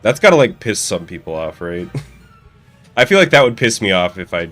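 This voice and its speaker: Streaming a game over its audio and music, a young man with a Midwestern American accent rambles casually, chuckling and leaning on lots of fillers. His deep voice is sing-song and fairly bright, at a normal pace.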